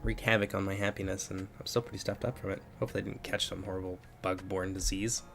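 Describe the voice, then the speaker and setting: A man with a stuffy, congested voice giving relaxed live commentary on a strategy game while answering chat. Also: low-pitched, fast, gravelly, soft background music. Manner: relaxed, thinking aloud with fillers. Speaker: game streamer and mod developer. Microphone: headphones with mic at a computer.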